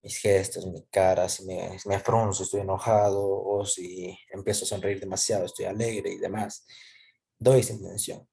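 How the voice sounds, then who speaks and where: A man's voice: low voice, flat delivery, normal speed, vocal fry, mellow. A man teaching a lesson, explaining step by step, posing questions and answering them himself with frequent check-in tags.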